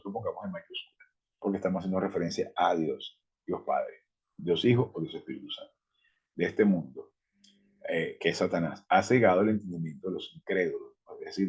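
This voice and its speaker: A man's voice: deep voice, a little mellow, husky, highs cut off. A man teaching a Bible study, emphatic as he reads scripture aloud and explains it.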